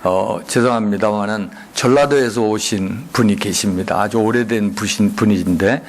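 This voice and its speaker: 질문을 던지며 설교하는 남성 목사. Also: male voice, on the low side, normal speed. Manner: call-and-response, frequent rhetorical questions. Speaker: guest pastor. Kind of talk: sermon. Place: church sanctuary.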